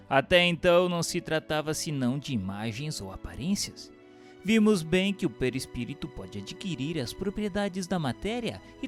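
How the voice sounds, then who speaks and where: Expressive Brazilian man narrating, higher-pitched. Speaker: audiobook narrator. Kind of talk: scripted narration of a book. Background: music.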